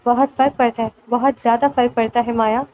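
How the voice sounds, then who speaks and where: A woman doing a brusque young man in a storybook romance, protective and clipped, his lines short and commanding. The voice sits high and bright for a man, as she reads him in her own voice. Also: flat delivery, a little hiss or hum, lightly acted. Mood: tender.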